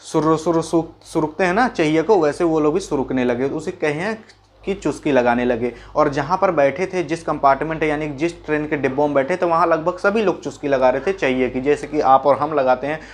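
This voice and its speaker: A man explaining a school chapter in a casual, folksy way, repeating key points as quick questions and answers. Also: a little high. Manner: folksy, calls listeners brother and mimics sounds. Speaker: teacher.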